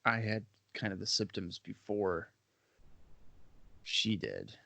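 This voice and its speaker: A man's voice: fairly low pitch, very animated, slow pace, creaky, bright, forceful tone. A man hosting a podcast, talking in an easygoing, joking way with a stuffy head cold, on his own microphone over an internet call. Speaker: podcast host. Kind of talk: casual chat.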